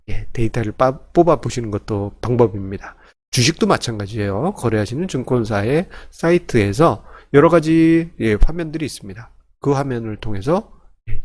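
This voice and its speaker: A man's voice: mid-range voice, darkish tone, dry recording. A man explaining personal finance step by step as an instructor, in a conversational, polite way, often correcting himself. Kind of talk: informal spreadsheet tutorial, explaining step by step.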